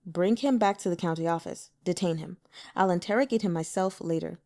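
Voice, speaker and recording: A woman's voice: on the low side, brisk, darkish tone, lightly acted. A woman reader portrays an imperious man of authority in a storybook tale. He speaks coolly and curtly, commanding with scorn. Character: cool, imperious male investigator giving curt orders.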